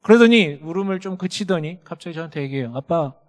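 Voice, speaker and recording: Lively-voiced pastor telling a family story. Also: male voice, mid-range voice, brisk. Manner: lively storytelling, acting out dialogue with his son. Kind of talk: sermon with personal story. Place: church sanctuary.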